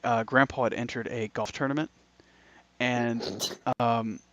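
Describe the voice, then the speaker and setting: A man's voice: mid-range voice, unhurried, no room sound, highs cut off. A man on a casual podcast chat, telling stories with lots of swearing. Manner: swears a lot, animated storytelling. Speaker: podcast co-host.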